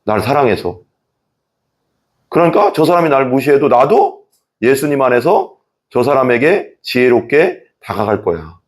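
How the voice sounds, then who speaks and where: A man's voice: mid-range voice, normal speed. A man in his thirties preaching a sermon as a pastor, acting out quoted thoughts with laughs. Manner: lively, acts out quoted inner thoughts with laughs.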